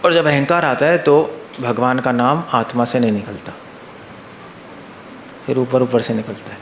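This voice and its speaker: Monk giving an informal talk in an echoey room. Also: male voice, steady tone, moderate pace, slight background noise. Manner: conversational, asks listeners questions, mixes in English words; acts out quoted voices in a lower, softer tone. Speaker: monk and spiritual teacher. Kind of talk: informal Hindi discourse to a live audience.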